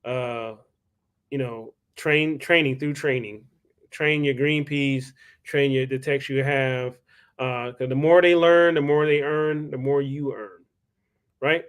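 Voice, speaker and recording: A man's voice: mid-range voice, steady tone, takes it slowly, smooth. A man, casually hosting a live stream, talking loosely and greeting viewers by name. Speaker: host.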